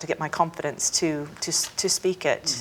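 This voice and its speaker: This is a normal speaking voice with an American accent. The pace is moderate. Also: woman. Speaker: Welsh learner, mother of seven. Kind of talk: interview.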